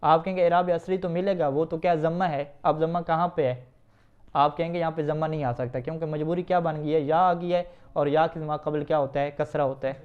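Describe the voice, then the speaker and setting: A man teaching Arabic grammar to students, asking them questions and answering them himself, reading Arabic quickly and then explaining it. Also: fairly high pitch, fairly even intonation, smooth. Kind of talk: classroom lesson reading and explaining an Arabic text. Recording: dull, lo-fi recording.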